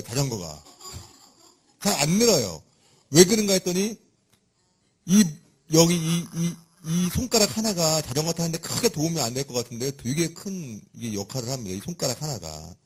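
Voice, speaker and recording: A man preaching a sermon in a lively, conversational and humorous way, with a husky voice. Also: a little high, normal speed, long pauses, a little hiss or hum.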